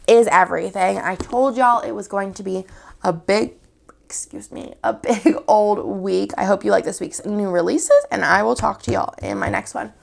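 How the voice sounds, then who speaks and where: Upbeat young woman, sniffly cold, gravelly fry, medium pitch, casual shop-owner vlog. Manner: chatty, upbeat, walks through items one by one. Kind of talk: casual product showcase.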